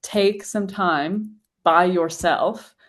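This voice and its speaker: This young woman, a singer-songwriter being interviewed, keeps it chatty and leans heavily on "like" as a filler. Her voice is on the low side, and she draws out her words.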